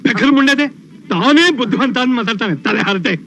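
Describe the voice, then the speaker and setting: A bragging householder. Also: male voice, extremely high pitch, brisk, gravelly, sharp tone, slight background noise, heavily acted. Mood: boastful. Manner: scolding, bragging. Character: boastful male householder scolding his servant.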